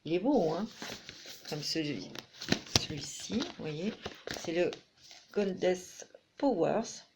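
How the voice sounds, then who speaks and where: A woman's voice: on the low side, lively intonation, slow, background noise. A middle-aged woman giving a chatty tarot reading to camera, full of fillers and restarts. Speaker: tarot reader.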